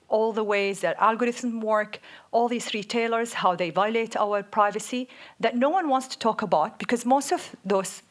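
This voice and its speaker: A woman with an Arabic accent, co-hosting a live podcast on stage, speaking in an energetic, outspoken way and laughing often. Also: a little high. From Saudi Arabia. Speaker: podcast co-host. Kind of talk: live podcast panel talk.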